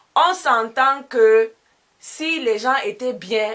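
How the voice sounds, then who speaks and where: This woman's voice shows ordinary pitch variation. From Cameroon. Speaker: YouTuber. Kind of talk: casual vlog talk. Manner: hesitant, many fillers.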